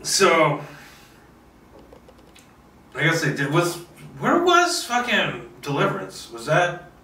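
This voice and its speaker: Speaking slowly in a sharp, high-pitched voice with huge swings in pitch, a man rambles casually to himself during a solo table read as a filmmaker, playfully bragging and swearing now and then. The microphone sits far off in an echoey room.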